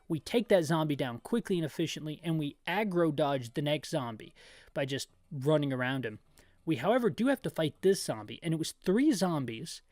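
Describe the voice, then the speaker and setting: Higher-pitched man, chatty game playthrough host. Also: expressive, moderate pace, darkish tone, no room sound. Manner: chatty, tangential, repeats and rephrases himself. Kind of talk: descriptive video game commentary with rambling opinions.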